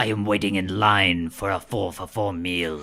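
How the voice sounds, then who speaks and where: A man's put-on character voice, pitched very deep and low. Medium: actual play. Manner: cold, solemn.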